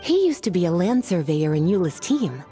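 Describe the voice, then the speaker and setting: A woman voicing a friendly young knight who calmly explains things. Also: fairly low pitch, normal speed. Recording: game audio with music.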